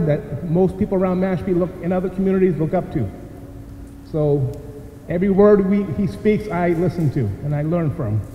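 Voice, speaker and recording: A man speaks at a high pitch. Light background noise and audible room echo are present. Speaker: event moderator. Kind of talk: speaker introductions. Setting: stage with audience. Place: hall. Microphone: podium.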